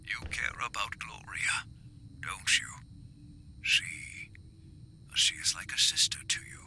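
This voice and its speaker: An actor playing a manipulative older professor in a horror game who coaxes in a slow, sinister whisper. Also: male voice, fairly low pitch, fairly even intonation, gravelly. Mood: coaxing. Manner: soft, coaxing whisper.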